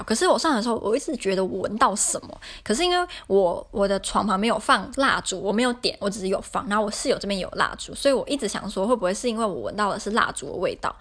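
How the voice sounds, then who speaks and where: Young woman, solo podcaster, rapid and irritated rambling storyteller. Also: mid-range voice, fairly bright tone. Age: young adult. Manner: exasperated, rambling retelling with many fillers.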